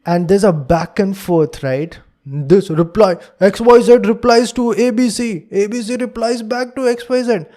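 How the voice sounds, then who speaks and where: A young man with an Indian English accent, a native Hindi speaker, hosts a solo podcast monologue in an earnest, lecturing manner, acting out quotes in a raised voice. His voice is high and dark-toned, and he speaks a little slowly.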